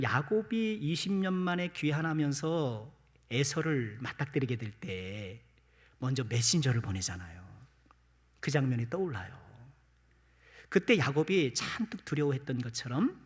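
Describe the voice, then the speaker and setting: A man's voice: medium pitch, breathy edge. A male pastor preaching a Sunday morning sermon, questioning the congregation directly with light humor. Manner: addresses the congregation with rhetorical questions, light self-deprecating humor. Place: church sanctuary. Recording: long church-hall reverb.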